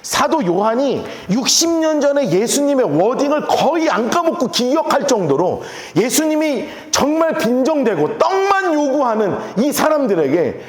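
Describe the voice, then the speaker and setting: A man preaching a sermon in a church, animated and playful as he acts out scenes. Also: very high-pitched, moderate pace, hardly any pauses. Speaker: pastor. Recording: echoey church hall.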